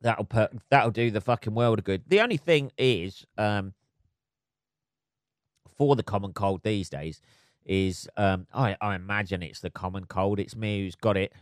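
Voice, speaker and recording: A man's voice: on the low side, a little slow, no room sound, studio quality. Sweary nasal Englishman with a cold. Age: 40s. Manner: sweary, rambling, self-mocking. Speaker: podcast host. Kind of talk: casual solo rant. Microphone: phone camera.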